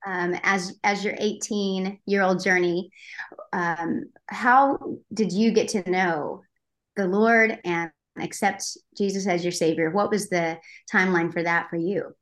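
A woman's voice: fairly low pitch, steady tone, measured pace. A woman from Oklahoma hosting a podcast interview over a video call, gracious and faith-centered in how she talks. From Oklahoma, United States. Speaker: podcast host.

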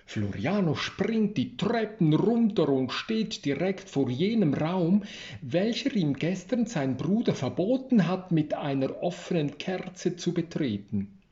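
A man reads a story aloud at a slow, measured pace. His voice sits fairly high, with a mellow tone. The recording is roomy and a little dull. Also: sing-song. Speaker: narrator. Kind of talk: storybook reading.

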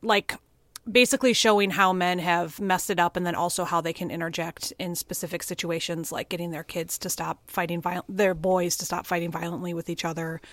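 A woman's voice: fairly low pitch, steady tone, fairly quick, dry recording. A woman co-hosting a podcast, speaking casually and earnestly with fillers. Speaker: podcast co-host.

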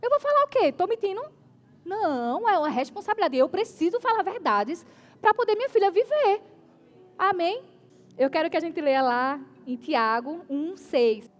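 A woman preacher delivering an emphatic sermon, often asking the congregation "amen?" and reading scripture slowly and deliberately. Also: very high-pitched, animated.

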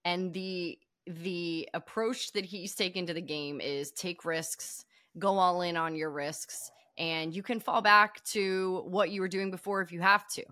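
Bright, crisp woman in casual sports chat. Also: on the low side, no room sound, clean studio sound. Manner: thoughtful, measured, asks "right?". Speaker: podcast co-host.

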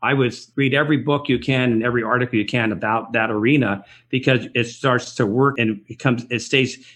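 A middle-aged man with a husky, slightly breathy voice, speaking as a podcast guest. He talks in a reflective, meandering way, circling back and restarting his thoughts as he goes. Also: mid-range voice, steady tone, a little fast, fairly bright tone. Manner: rambling, reflective storytelling with restarts. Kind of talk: conversational podcast interview. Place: Los Angeles area.

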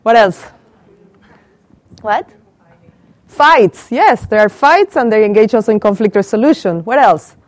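A woman's voice: on the high side, expressive, a little slow, long pauses, no room sound. A middle-aged woman from Argentina with an Argentine Spanish accent, giving an interactive lecture to a small group and asking the audience questions. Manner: asks the audience questions and repeats their answers. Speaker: professor giving a talk. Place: small room with a live audience. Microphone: handheld mic.

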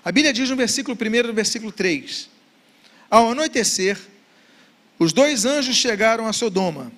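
High-voiced man teaching the Bible. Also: expressive, normal speed, a bit bright. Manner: reads scripture aloud, asks rhetorical questions. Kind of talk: Bible study lecture.

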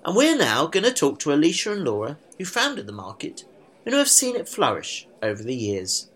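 A man's voice: fairly high pitch, huge pitch swings, fairly quick, over music. A man with a nasal, blocked-up voice, congested, hosting a podcast with wry, jokey scripted narration. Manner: wry, jokey, self-mocking. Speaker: podcast host.

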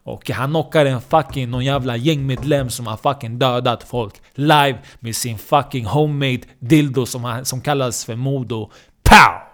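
Male storyteller, crude and animated, keeps checking the listener is with him; mid-range voice. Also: medium pitch, few pauses. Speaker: comedian.

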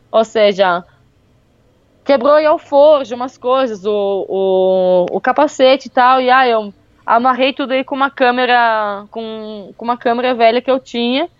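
A woman, telling a travel story in a casual, lively way, full of fillers. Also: on the high side, dry recording, highs cut off. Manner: lively, with many fillers like "tipo" and "meu".

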